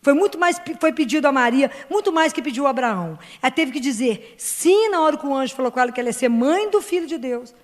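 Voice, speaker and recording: Woman, devotional talk, high voice, long echo. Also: animated, quick pace, few pauses. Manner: earnest, addresses listeners directly, acts out quoted prayers. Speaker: prayer group leader.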